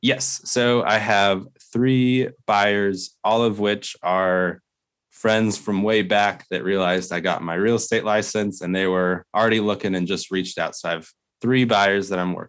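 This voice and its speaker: Fairly slow, fairly even speech in a very clean recording with a silent background. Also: man, fairly low pitch for a man. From Oregon, Portland area (Beaverton). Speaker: new real estate agent. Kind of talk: coaching session. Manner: halting, many fillers.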